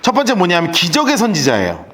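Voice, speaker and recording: A male pastor teaching the Bible in a lively storytelling sermon, telling listeners what to write down. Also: high voice, fast talker. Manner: lively storytelling, gives note-taking instructions.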